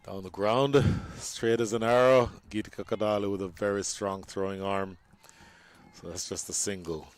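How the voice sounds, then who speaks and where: A man giving live cricket commentary, animated and joking, his voice jumping up on the big moments. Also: fairly low pitch, moderate pace, clean tone.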